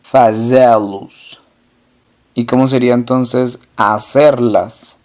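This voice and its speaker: A man with a medium-pitched, somewhat dark voice teaches a language lesson. He poses questions and answers them himself, repeating each example word slowly.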